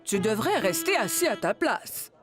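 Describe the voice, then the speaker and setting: A woman narrating a children's cartoon in an expressive scripted storytelling style, speaking the characters' lines as well. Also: on the high side, normal speed. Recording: music behind the narration. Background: music.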